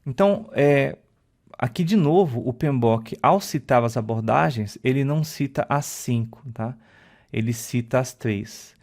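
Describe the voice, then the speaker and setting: A man teaches an exam-prep video lesson, talking through a slide in a chatty, informal way. His voice sits at a middling pitch with a gravelly, creaky edge. He keeps checking in with a quick tag question, and uses fillers along the way. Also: darkish tone. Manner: explains at a slide, often ends phrases with a checking "tá?"; conversational, with filler "é" and restarts.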